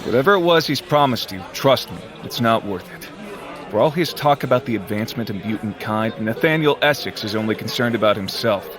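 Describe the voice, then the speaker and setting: An actor playing an earnest, authoritative, encouraging superhero team leader in an audio drama. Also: male voice, fairly low pitch, lively intonation, fairly quick, music in the background, natural voice. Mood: reassuring.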